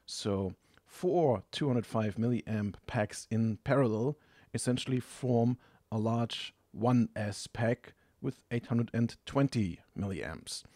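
A man's voice: mid-range voice, takes it slowly, warm tone, dry recording. A man narrating a hands-on technical tutorial in a methodical, explanatory, matter-of-fact manner. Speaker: tutorial presenter.

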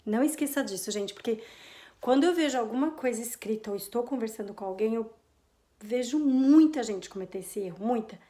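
A woman's voice: fairly high pitch, a little fast, dark tone. A Brazilian woman teaching English in a casual online lesson, checking in often with her students and drawing out her English example phrases. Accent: Brazilian Portuguese. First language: Portuguese. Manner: chatty, checks in often with "ok?" and "combinado?".

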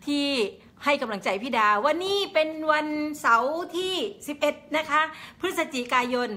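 Bright, echoey older woman streaming live. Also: high voice, lively intonation, normal speed. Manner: chatty, laughing, reads viewer names aloud. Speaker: political livestream host. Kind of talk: casual live-stream political talk. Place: indoors at home. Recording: echoey room, faint noise.

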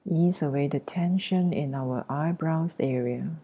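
Slow soft woman doing guided meditation, dark mellow breathy voice, gentle with long gaps, kinda muffled audio. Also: low voice. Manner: gentle, unhurried, long pauses between short phrases. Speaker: meditation teacher.

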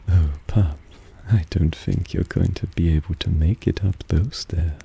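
A man playing a suave, possessive vampire in intimate ASMR roleplay, soft, teasing and soothing, often dropping into a whisper. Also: low-pitched, fairly even intonation, a little slow, creaky, slightly rough, heavily acted. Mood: fond, teasing.

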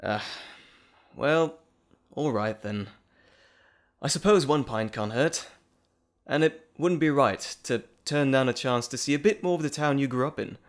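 A man's voice: mid-range voice, a little slow, natural voice. A man playing an earnest, polite, bashful doctor and lecturer in an audio drama, articulate and formal. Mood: sheepish. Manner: articulate, formal, eager to ramble. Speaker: voice actor in audio roleplay. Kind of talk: audio drama roleplay acting, addressing the listener.

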